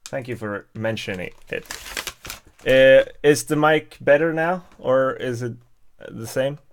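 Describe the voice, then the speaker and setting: A man from Sweden, chatting casually and haltingly on his live stream, chuckling between many fillers. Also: mid-range voice. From Stockholm, Sweden. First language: Swedish. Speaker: YouTuber hosting a live stream. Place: home setup at a table.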